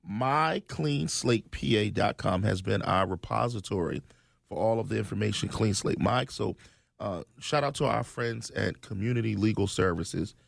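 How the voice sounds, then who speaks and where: Philly guy on a radio show, gravelly lowish voice, lots of ums and restarts. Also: moderate pace, no room sound, clean studio sound. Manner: earnest, many ums and restarts. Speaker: state legislator guest. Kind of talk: conversational radio interview. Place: radio studio.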